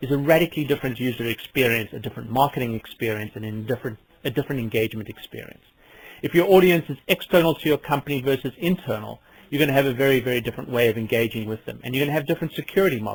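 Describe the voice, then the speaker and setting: Talking very fast with lively intonation, a man uses a somewhat breathy, medium-pitched voice. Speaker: company CTO presenting. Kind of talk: webinar presentation. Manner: quiet.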